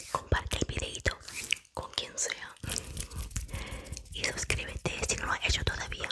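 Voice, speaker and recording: Whispering at a fairly slow pace, a woman uses a gentle tone. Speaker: ASMR creator. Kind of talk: soft ASMR roleplay chat. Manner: gentle intimate whisper. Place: home room. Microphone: studio mic.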